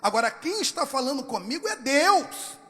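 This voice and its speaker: A man with a Brazilian accent preaching a sermon in a church, impassioned, swinging from soft to shouted. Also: very high-pitched, big pitch swings, moderate pace, big-room sound, faint music behind.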